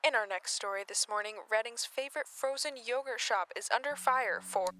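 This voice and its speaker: A woman playing a composed news reporter in an audio drama, reading the story in a formal, measured newsreader manner. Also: fairly high pitch, bright, forceful tone, poor audio. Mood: formal, neutral.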